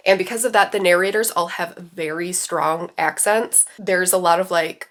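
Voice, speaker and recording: A woman's voice: on the low side, fairly even intonation, moderate pace. Congested chatty woman book vlogger. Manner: chatty, rambling, many "like" fillers. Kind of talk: casual vlog chat.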